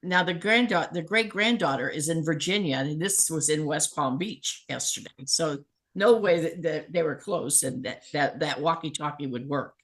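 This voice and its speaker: A woman's voice: deep voice, moderate pace. A middle-aged woman, a spiritual healer, telling a story in a casual chat with frequent laughter. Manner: animated anecdote-telling, laughs often. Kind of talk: casual storytelling on a talk show.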